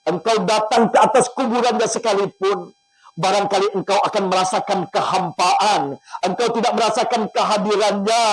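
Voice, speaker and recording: A man's voice: sits high, slightly rough, rough recording. A male preacher delivering an emotional sermon, pleading fervently and guiding the congregation through a prayer with intimate, repeated appeals. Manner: fervent, pleading, repeats the refrain of calling on God; addresses listeners intimately, guiding them to picture their parents.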